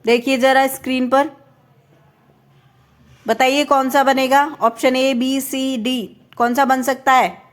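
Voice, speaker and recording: A young adult woman from India, high-voiced, teaches a reasoning lesson, working through each question step by step. She keeps checking whether the viewer is following. Her delivery is flat and slow, with long pauses.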